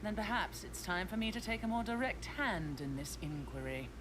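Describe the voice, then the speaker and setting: A woman playing a cold, menacing Imperial governor in an animated series, speaking with silky, formal, measured politeness. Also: mid-range voice, noisy background, close to an everyday voice. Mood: silky menace. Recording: loud film score behind dialogue.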